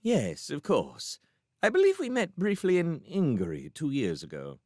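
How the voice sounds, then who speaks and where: A man's voice: on the high side, wildly swooping pitch, moderate pace, a little mellow, no room sound, studio quality, pitched above the performer's own voice. A man voicing a gracious, opinionated princess in an audiobook. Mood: relieved, gracious. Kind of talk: audiobook character voice.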